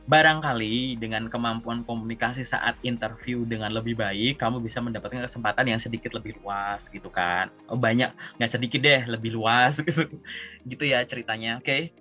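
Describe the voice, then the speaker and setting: A man's voice: medium pitch, steady tone, normal speed, bright, forceful tone, faint music behind. A young man from Java coaching a job seeker over a video call in casual, conversational talk, often ending points with a tag word and asking if the listener follows. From Java, Indonesia. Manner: conversational, repeats "gitu" and checks understanding with questions. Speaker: career coach.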